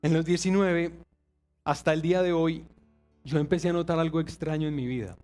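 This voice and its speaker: A man's voice: a little high, fairly even intonation, fairly quick, darkish tone, faint music behind. Earnest pastor in his thirties. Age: 30s. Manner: earnest, confessional, acts out quoted voices. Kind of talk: sermon.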